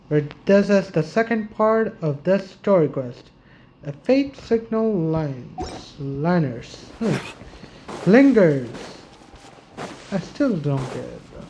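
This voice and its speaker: A gaming YouTuber giving casual gameplay commentary in a halting way, often repeating words as if to themselves. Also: mid-range voice, lively intonation, mellow, slight background noise, rough recording.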